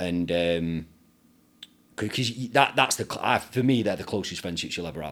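A man with a very deep, low pitch and a Manchester accent, lively intonation and a moderate pace. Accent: Manchester-area English. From northern England, Stockport. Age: 30s. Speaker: gym owner. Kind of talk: casual chat.

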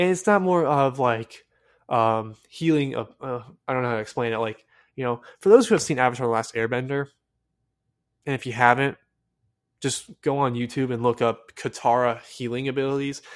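A man speaks at a medium pitch with ordinary pitch variation, leaving long, frequent pauses in a very clean recording with a silent background. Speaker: solo podcast host. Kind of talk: casual self-help monologue. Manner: fast; animated.

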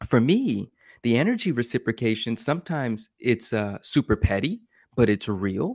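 In a normal speaking voice with an American accent, a man talks at a medium pitch and moderate pace with ordinary pitch variation, on a very clean, dry, close recording with a silent background and no echo. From US West Coast, San Francisco Bay Area. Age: 30s. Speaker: podcast co-host and YouTube show panelist. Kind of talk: casual chat.

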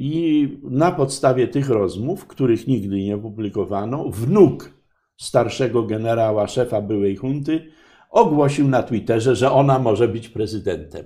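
A man's medium-pitched voice with a dark, mellow tone, ordinary pitch variation and a fairly slow pace against a quiet background. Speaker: professor and former diplomat. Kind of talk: interview about politics and history.

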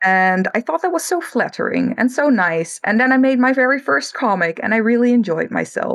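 Over a quiet background, a woman with a Dutch accent talks at a fairly quick pace with hardly any pauses. Her fairly high pitch makes very wide swings while her loudness stays very even. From Netherlands, small village. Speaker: comic artist. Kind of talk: interview.

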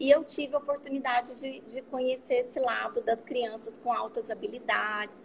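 A woman's high-pitched voice at a moderate pace, fairly even intonation, noticeable background noise behind it. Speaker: psychologist. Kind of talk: casual interview. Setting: online live stream.

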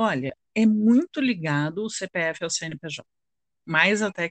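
Heard in a dry, close sound with no echo, an unremarkable speaking voice goes at a fairly slow pace with lively intonation. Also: woman. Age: 40s. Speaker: financial educator. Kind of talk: casual chat.

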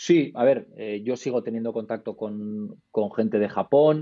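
A man speaks at a moderate pace with a medium pitch. His pitch varies in an ordinary way. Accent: Basque. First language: Basque (speaking Spanish). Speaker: basketball coach. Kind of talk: casual interview.

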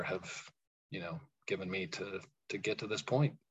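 A man's fairly low voice with an American accent, at a moderate pace and with ordinary pitch variation. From Colorado. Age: 50s. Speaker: runner and physical therapy patient. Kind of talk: interview testimony. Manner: halting.

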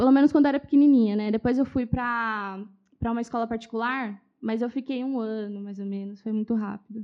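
A woman speaks at a very fast pace. Her pitch is fairly high, with ordinary pitch variation. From Brazil, Lençóis (São Paulo interior). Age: 20s. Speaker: psychology student. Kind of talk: casual interview.

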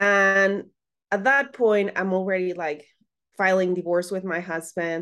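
Speaking at a fairly slow pace with a Spanish accent, the voice comes over a quiet background. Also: woman. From Mexico. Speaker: former attorney turned remote sales closer. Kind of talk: casual interview. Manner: enthusiastic.

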